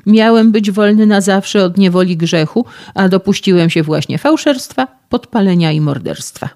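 A man's voice: fairly high pitch, lively intonation, moderate pace, gravelly, dry recording, clean studio sound. A man voicing a frantic, indignant young man. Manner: shouting indignantly, complaining. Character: agitated young man, injured and frightened. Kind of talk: audiobook reading.

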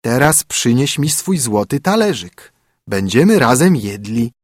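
A man voicing a pleading female frog from a well, speaking in a coaxing, drawn-out way. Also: medium pitch, big pitch swings, no echo, clean studio sound. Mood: insistent.

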